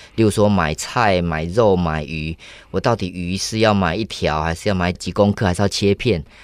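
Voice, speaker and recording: A man speaks at a moderate pace in a very deep, low pitch. His pitch variation is ordinary. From Taiwan, Yilan. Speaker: farmer and market tour guide. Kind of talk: casual interview.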